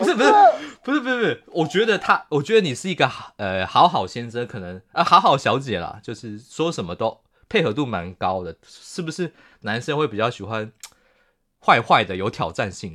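A man at medium pitch speaks fairly quickly with a bright, sharp tone and vocal fry. His pitch swings very widely and his loudness swings a lot, on a very clean recording with a silent background. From Taiwan. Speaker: YouTuber. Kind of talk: casual chat. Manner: animated.

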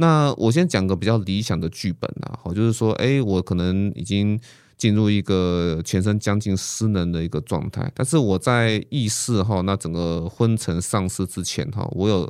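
On a very clean recording with a silent background, a man with a fairly low pitch talks at a moderate pace with ordinary pitch variation and hardly any pauses. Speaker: physician in geriatric and palliative care. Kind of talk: interview. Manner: frequent filler particles, casual.

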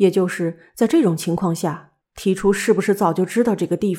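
The background stays quiet. Over it comes plain reading aloud with ordinary pitch variation.

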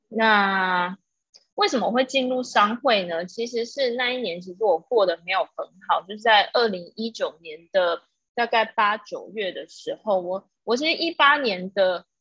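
Fairly high female voice with a bright, sharp tone and ordinary pitch variation, fairly slow in pace, dry and close with no echo. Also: big swings in loudness. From Taiwan, Kaohsiung. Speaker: seafood e-commerce business owner, lecturer. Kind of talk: online lecture.

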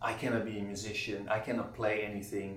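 A man with a Dutch accent at a moderate pace, with noticeable background noise and audible room echo. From Netherlands. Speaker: voice teacher and performer. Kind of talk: interview. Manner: animated.

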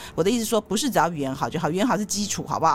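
The voice moves through very wide pitch swings, with music in the background. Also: woman. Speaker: interpreter and podcast host. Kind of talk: casual interview.

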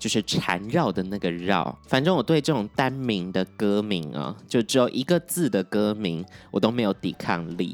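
Very clean and recorded against a silent background, a fairly low-voiced man talks at a moderate pace with hardly any pauses, sounding animated as his pitch swings very widely. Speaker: podcast host and songwriter. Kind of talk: casual solo podcast.

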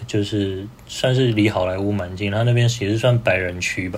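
There is audible room echo as a man speaks. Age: 20s. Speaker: concept designer. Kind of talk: casual interview.

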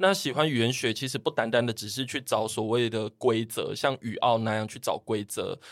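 At a moderate pace and with hardly any pauses, a man uses an ordinary speaking voice at medium pitch with ordinary pitch variation. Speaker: podcast host and teacher. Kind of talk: casual interview chat.

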